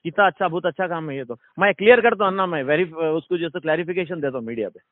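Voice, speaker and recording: A community caller with a Hyderabadi accent makes a humble request to a minister in an informal, recorded phone call. His slightly high voice is animated and very fast, with no room sound, and he keeps offering brief, deferential acknowledgments.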